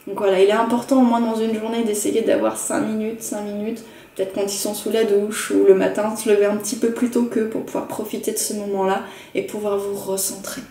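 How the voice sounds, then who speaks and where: A woman teaching emotional tapping techniques in a gentle, repetitive, instructional manner. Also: medium pitch, flat delivery, brisk. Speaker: EFT practitioner. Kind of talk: calm instructional talk. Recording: roomy sound from a distant mic with faint noise.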